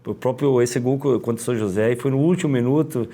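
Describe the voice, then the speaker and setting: A middle-aged man with a Gaúcho Brazilian accent, a former footballer talking as an interview guest, rambling and halting with many restarts. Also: mid-range voice, mellow. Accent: Gaúcho Brazilian Portuguese. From Rio Grande do Sul, Brazil. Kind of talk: casual interview.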